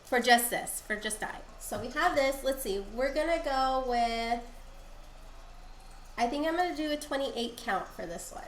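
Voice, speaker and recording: A woman streamer with a higher voice, sounding stuffed-up and nasal from a lingering cold. She explains her crafting steps in a chatty, meandering way. The room is echoey, with a faint hiss behind her. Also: lively intonation, moderate pace. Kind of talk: casual live-stream dyeing tutorial.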